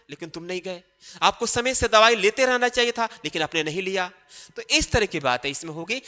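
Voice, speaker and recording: A man's voice: sits high, sharp tone, big-room sound. A man teaching English grammar step by step, drawing out the English words and often checking in with the viewer. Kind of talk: grammar lesson.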